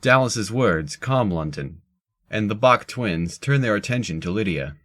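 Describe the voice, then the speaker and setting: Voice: sits low, animated, a little slow, fairly bright tone. A narrator reading scripted story narration for an audio drama.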